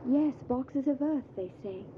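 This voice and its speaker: A woman's voice: high voice, lively intonation, unhurried. An actress playing a girlish, delicate young Victorian lady in an audio drama, with an airy manner. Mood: eager, informative. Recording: phone-like, faintly noisy audio.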